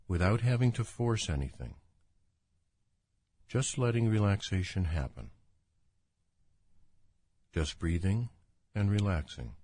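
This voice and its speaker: A man leading a guided imagery relaxation as a doctor, speaking in a calm, soothing, unhurried manner. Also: low-pitched. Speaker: doctor guiding a relaxation exercise.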